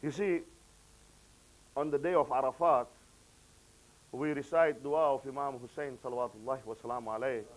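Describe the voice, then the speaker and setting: A man delivering a religious lecture, lifting his voice for quoted sayings and dropping it low and quiet for asides. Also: fairly even intonation, normal speed, long pauses, a little hiss or hum, low-quality recording. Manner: rises in pitch and volume when quoting, drops low for asides. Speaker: preacher.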